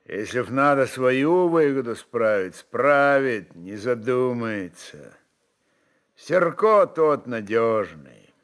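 A man's voice: mid-range voice, big pitch swings, slow. A man voicing a cautious, burdened Cossack chieftain with commanding, weighty rustic speech in a dramatized story reading. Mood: commanding, wary.

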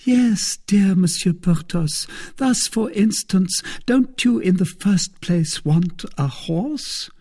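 A man voicing an anxious, thrifty middle-aged woman married to a lawyer, with a shrill, tremulous, pleading manner. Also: animated, takes it slowly, hardly any pauses, warm tone, heavily acted.

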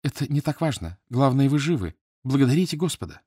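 A male reader voicing an earnest young girl disguised as a boy, speaking quickly and anxiously in a raised voice. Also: medium pitch, very animated, mellow, husky, no room sound, clean studio sound, pitched above the performer's own voice. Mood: reassuring.

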